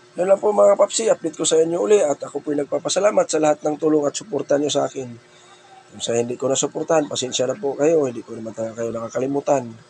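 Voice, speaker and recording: Against noticeable background noise, a man with a fairly high pitch talks at a very fast pace with lively intonation. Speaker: vlogger. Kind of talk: eating vlog, casual talk to viewers. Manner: mouth full, eating while talking.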